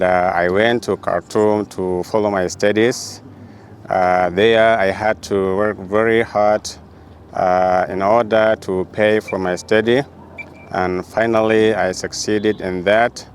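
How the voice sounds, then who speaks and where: Slow, low-voiced man from Darfur. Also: slight background noise. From Sudan, Central Darfur. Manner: slow, steady, frequent "uh" fillers. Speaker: trainee, interviewee. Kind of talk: interview testimony.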